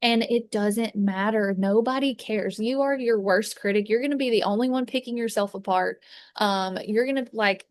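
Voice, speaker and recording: A woman talks casually and at length. She rambles with fillers and restarts. Her voice sits at a middle pitch, and the recording is dry and close, with no room echo. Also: normal speed. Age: 30s. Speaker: fragrance consultant. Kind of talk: casual chat. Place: inside an RV.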